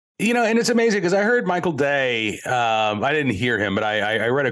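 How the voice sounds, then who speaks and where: A man has an unremarkable speaking voice. He talks at a moderate pace with ordinary pitch variation. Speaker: radio host. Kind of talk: talk radio interview with ad read. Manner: formal, polished broadcaster delivery.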